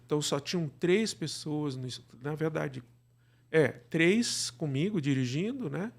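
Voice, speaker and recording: A Brazilian man talks as a guest in an interview, explaining his work as a director. His voice sits a bit high for a man and carries a lot of gravelly fry. He often ends phrases with small tags seeking agreement. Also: expressive, a little slow.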